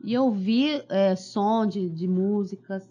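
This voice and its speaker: A woman with a Brazilian Portuguese accent interpreting her husband's English line by line, with quick restarts and self-corrections. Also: medium pitch, warm tone, dull audio. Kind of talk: live consecutive interpreting.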